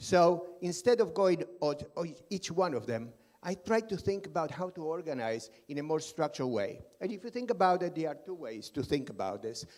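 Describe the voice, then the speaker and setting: A high-pitched man with a non-native accent speaks with very wide pitch swings and hardly any pauses. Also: moderate pace. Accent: noticeable non-native. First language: Spanish. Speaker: researcher. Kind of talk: conference talk. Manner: hesitant, with fillers.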